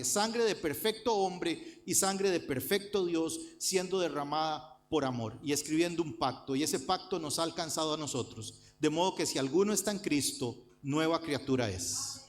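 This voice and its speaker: A man's voice: sits high, slight background noise. A man from Rica, preaching a sermon and Bible study to his congregation with earnest, repetitive emphasis. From Costa Rica. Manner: earnest preaching, addresses the congregation directly, repeats phrases for emphasis. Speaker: pastor.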